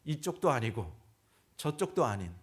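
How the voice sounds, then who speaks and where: A man's voice: medium pitch, big pitch swings, moderate pace. A male pastor preaching a sermon in a church, posing rhetorical questions to the congregation.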